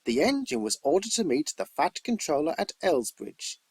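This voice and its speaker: An amateur male narrator reads a scripted story in a fairly high voice with a husky edge. His delivery is theatrical and emphatic, swinging widely in pitch from phrase to phrase. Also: big pitch swings, normal speed, no room sound.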